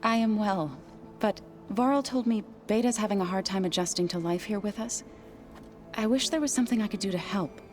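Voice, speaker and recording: A gentle tribal woman from a video game, played by an actress, curious and devoted to nature. She talks earnestly and carefully at a medium pitch, a little formally. Soft music runs behind her. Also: a little fast, natural voice.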